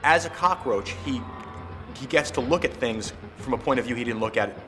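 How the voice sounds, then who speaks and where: A game co-creator, a man, telling lively anecdotes in a documentary interview, with many "you know" fillers. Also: mid-range voice, a little fast. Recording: reverberant room with music underneath.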